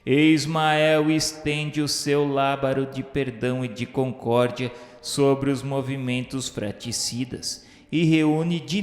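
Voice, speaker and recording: A Brazilian man narrates a religious radio drama in a formal, solemn style. His mid-pitched voice sits in long, echoing reverb with music playing underneath. The delivery is grandiloquent and literary, clearly read from a script.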